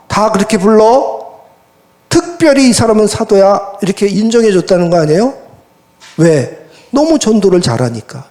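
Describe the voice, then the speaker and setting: A male pastor delivers a sermon at a church service, his voice sitting high for a man. He talks in a lively, everyday way and keeps asking the congregation rhetorical questions.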